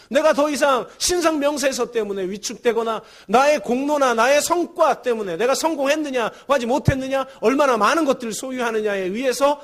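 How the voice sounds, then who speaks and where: A male pastor giving a Sunday sermon, telling a story with chuckles and building to emphatic preaching. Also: sits high. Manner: storytelling with chuckles and acted quotes.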